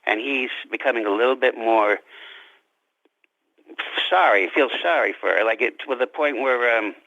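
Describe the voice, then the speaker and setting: Man, guest author, gravelly fry, halting reflective talk, dull lo-fi sound. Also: medium pitch. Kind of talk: interview conversation.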